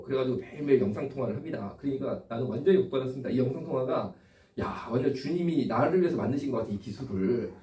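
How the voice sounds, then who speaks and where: A man's voice: medium pitch, dark tone. A middle-aged man preaching a sermon, telling stories and throwing rhetorical questions at his congregation. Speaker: pastor. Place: church hall. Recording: echoey room, distant from the mic.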